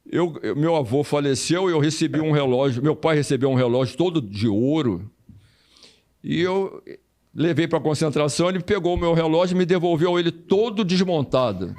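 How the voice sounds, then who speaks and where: Appearing as an interview guest, an older Brazilian former footballer tells stories casually, repeating phrases and acting out the voices of the people he quotes. His male voice is a little high and a little mellow, at a moderate pace.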